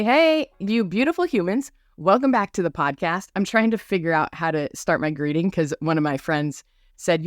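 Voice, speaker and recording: A woman's voice: on the low side, no room sound, clean studio sound. A woman hosting a podcast in a bubbly, chatty monologue full of asides, with a mild speech impediment on some R sounds. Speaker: podcast host. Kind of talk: casual rambling monologue.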